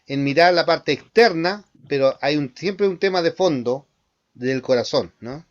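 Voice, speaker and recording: A man's voice: on the high side, expressive, unhurried, dull audio. A man, a pastor guiding an online Bible study by asking short questions and affirming answers. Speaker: pastor leading a Bible class.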